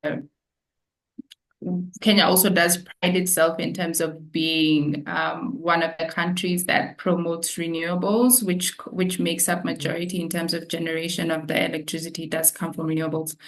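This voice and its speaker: A woman answering as a guest expert on a webinar, speaking haltingly with repeated words. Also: sits low, flat delivery, a bit bright. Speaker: guest expert on East African markets.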